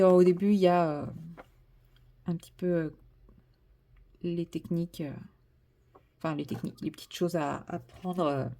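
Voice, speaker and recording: A woman chatting casually to her viewers from home, her voice mellow and relaxed. She talks in loose, hesitant runs full of fillers and restarts, warming into enthusiasm as she unpacks a craft kit. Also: on the low side. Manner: chatty, hesitant with many fillers, self-correcting. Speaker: vlogger. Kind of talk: casual vlog chat.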